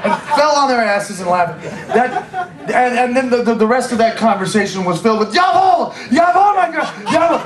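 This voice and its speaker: A man's voice: sits high, a little fast, background noise. A man hosting a convention panel, telling comedic stories and acting out quoted voices. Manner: animated, mimics voices in quoted dialogue. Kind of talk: comedic storytelling to a live audience. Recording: echoey room with faint ambience.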